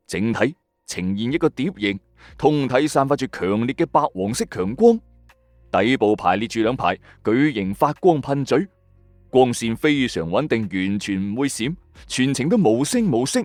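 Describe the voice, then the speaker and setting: A man's voice: medium pitch, a little mellow, dry recording. A man with a Hong Kong Cantonese accent narrating a scripted mystery story in a suspenseful, emphatic radio storytelling style. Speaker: storyteller host of a mystery show. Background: background music.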